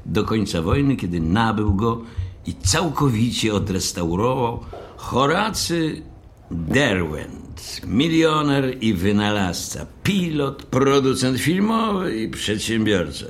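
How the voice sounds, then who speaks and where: An actor playing a stiff, self-important hotel manager in an audio drama, speaking formally and condescendingly with cold frankness. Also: male voice, mid-range voice, very animated, slow. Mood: pompous lecturing. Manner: formal, condescending, hesitant openings.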